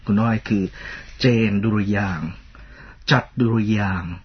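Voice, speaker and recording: Have him co-host the radio talk in a low, very husky voice. Keep it polite, measured and formal, with an even pace through the list of titles. The sound is a dull, lo-fi radio recording. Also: male voice.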